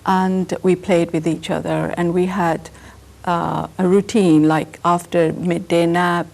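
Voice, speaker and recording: A woman artist from Pakistan, a native Urdu speaker, answering interview questions in a reflective, soft-spoken way. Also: fairly low pitch, level tone, slow pace, creaky.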